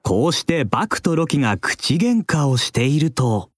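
A man narrating a children's storybook drama in an expressive, drawn-out, dramatic manner. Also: a little high, background noise.

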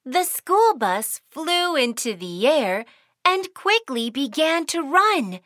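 A woman's voice: high-pitched, sing-song, slow, a bit bright, no echo, studio quality. A woman narrating a children's cartoon in a sing-song, cheerful storytelling way.

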